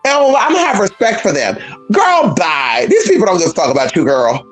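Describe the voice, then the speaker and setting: Sassy, lively trans woman vlogger. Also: medium pitch, brisk, music in the background. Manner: sassy, blunt, profane; animated, emphatic. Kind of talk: casual vlog rant.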